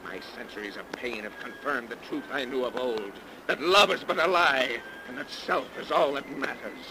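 A man's voice: mid-range voice, moderate pace, natural voice. Male actor as undead ship captain, bitter and vengeful, grandiose archaic declamation, 1930s radio horror, noisy old recording. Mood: bitter, scornful.

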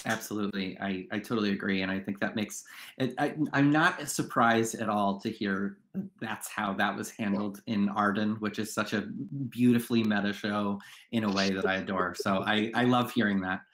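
A man moderates an online panel in a conversational way. His voice is a little low, and he speaks from a room over a video call. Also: fairly even intonation, normal speed, a bit bright.

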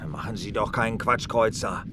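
An actor playing a police detective talking a kidnapper down in a radio drama, firm and persuasive. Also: male voice, lowish voice, moderate pace, background noise, lightly acted. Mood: urgent. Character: calm male police detective negotiating. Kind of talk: audio drama acting.

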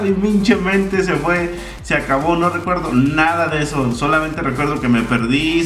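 A man's voice: on the high side, a bit bright. A man in his twenties with a Mexican accent, chatting casually and slangily to camera as a YouTuber. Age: 20s. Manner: informal, slangy, swearing. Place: room at home with tiled floor. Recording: roomy echo, distant mic, faint music.

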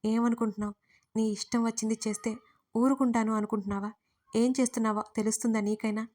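A woman narrator voicing a hurt young woman who shouts angrily through tears in an audio story. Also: on the high side, little pitch movement, fast, lightly acted. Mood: furious.

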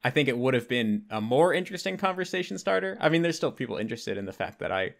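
A man's voice: mid-range voice, big pitch swings, fast, creaky. A man in his twenties with an American accent, hosting a casual, conversational interview. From United States. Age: 20s. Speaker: interviewer, host. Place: bedroom at home.

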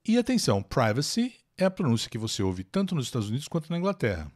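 A Brazilian man hosting a live English lesson, chatting with viewers by name and stretching out words slowly to drill their pronunciation. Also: mid-range voice, very animated, darkish tone. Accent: Brazilian Portuguese. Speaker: English teacher and channel host. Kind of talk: live lesson, reading and translating an article.

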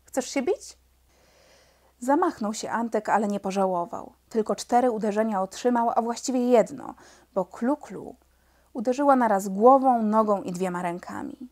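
A woman narrating a children's book aloud in a lively, expressive storytelling manner. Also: a little high, normal speed. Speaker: audiobook reader.

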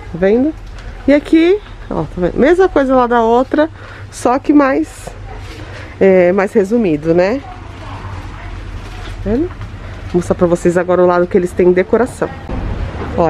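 A woman's voice: fairly low pitch, dark tone, a little hiss or hum. Gushing woman touring a home store. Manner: enthusiastic, gushing over items, chatty asides to viewers. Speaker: home decor vlogger. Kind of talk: store tour vlog, showing products. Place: inside a large home goods store.

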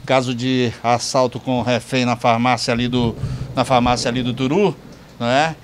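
A man's voice: medium pitch, flat delivery, moderate pace. A man working as a news reporter, speaking informally and often seeking agreement. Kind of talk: live crime news report and interview. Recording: clear street ambience noise.

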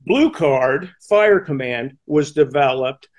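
An American man in his sixties explaining things emphatically in an interview, halting and repeating the starts of words. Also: medium pitch, expressive. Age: 60s. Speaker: fire command instructor and podcast guest. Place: indoor room, on a video call. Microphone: headset boom mic.

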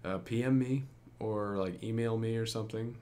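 Low-voiced man, casual and tentative. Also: steady tone, moderate pace, mellow, slight background noise. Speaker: amateur voice actor. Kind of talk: casual voice demo narration. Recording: music behind the voice. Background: music.

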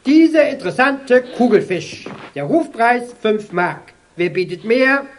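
An actress playing a formal female auctioneer in an audio drama, calling out lots and bids in a measured, drawn-out way. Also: a little high, lively intonation, slight background noise. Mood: businesslike calling. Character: brisk, formal female auctioneer running an estate sale.

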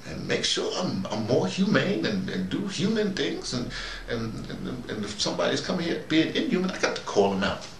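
A man's voice: mid-range voice, creaky. An older man delivers a rambling, folksy, preachy monologue, repeating phrases for emphasis. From United States. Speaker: vlogger, audio dramatist. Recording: roomy, distant mic, faint background noise.

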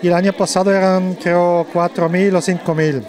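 A middle-aged man speaking as a foreigner, relaxed and slightly halting, in a casual interview. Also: high-pitched. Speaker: club member being interviewed. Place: busy indoor Christmas market. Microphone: handheld interview microphone. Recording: crowd chatter in busy hall.

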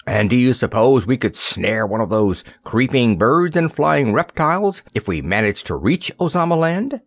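A man's voice: mid-range voice, moderate pace, no room sound, clean studio sound, pitched above the performer's own voice. Man voicing a stern, eager old sea captain. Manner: loud, stern, excitable.

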